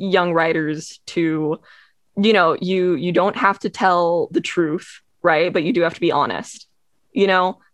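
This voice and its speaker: A woman with a Californian accent speaks in a fairly low voice. Her intonation stays fairly even. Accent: Californian American. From Los Angeles. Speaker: spoken word poet and author. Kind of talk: interview.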